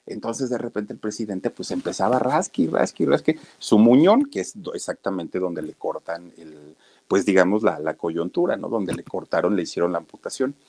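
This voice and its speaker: A man's voice: sits low, big pitch swings, moderate pace, darkish tone. A man with a Mexican accent telling a story to viewers in a chatty, folksy way, talking straight to his listeners. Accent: Mexican Spanish.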